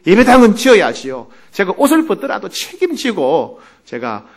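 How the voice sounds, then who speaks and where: A man's voice: high-pitched, wildly swooping pitch, moderate pace, pitched above the performer's own voice, full character voice. A man preaching in Korean acts out an earnest middle-aged male bank chief who makes an emphatic, pleading promise.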